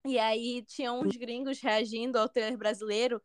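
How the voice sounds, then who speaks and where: A woman co-hosting a podcast, talking in a relaxed, conversational way. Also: on the high side, moderate pace, smooth, no room sound, clean studio sound. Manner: relaxed, conversational, laughs easily. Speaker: podcast co-host. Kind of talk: casual podcast chat.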